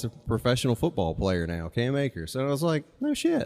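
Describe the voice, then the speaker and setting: In a very clean recording with a silent background, a man with a slight Southern US accent talks at a fairly quick pace and a medium pitch. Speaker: open mic storyteller. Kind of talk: personal storytelling at open mic. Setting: live open mic with audience. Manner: casual, conversational.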